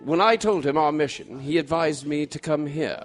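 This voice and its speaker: An actor playing a shrewd, composed Victorian gentleman detective in a mystery drama, precise, formal and assured. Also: on the high side, moderate pace, soft background music, natural voice. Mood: wry, assured. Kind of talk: radio-style mystery drama acting.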